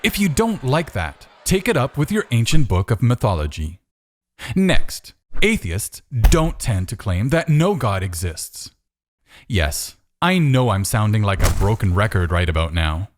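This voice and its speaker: A man's voice: lowish voice, very animated, unhurried, a little hiss or hum. A man delivering scripted rebuttal commentary as a video host, in a sarcastic manner full of rhetorical questioning.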